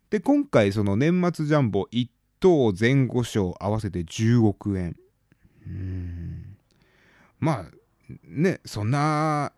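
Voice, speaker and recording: Man, 30s, casual solo chat, rambling with fillers, very animated pitch, dry voice. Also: no echo. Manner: rambling, chatty, with hesitant fillers; bursts into exaggerated exclamations. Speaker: podcast host.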